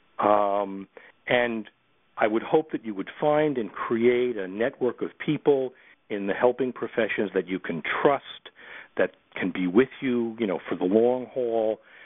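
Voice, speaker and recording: A normal speaking voice from a man at medium pitch, fairly slow in pace, with ordinary pitch variation. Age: 60s. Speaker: priest and counselor for visually impaired. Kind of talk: teleconference Q&A talk. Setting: phone teleconference.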